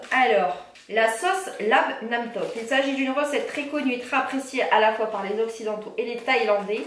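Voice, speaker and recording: A woman vlogger chatting casually through a food box unboxing, reading ingredient lists aloud with fillers and self-corrections. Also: on the high side. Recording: echoey room, faint background noise.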